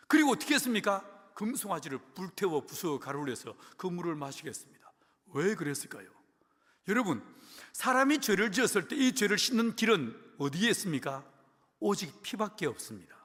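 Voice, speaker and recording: 생동감 있는 경상도 억양의 남성 목사. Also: male voice, high voice. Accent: Gyeongsang. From Gyeongsang, Korea. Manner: animated storytelling, colloquial and humorous. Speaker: pastor. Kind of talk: sermon. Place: church sanctuary. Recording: long church hall reverb.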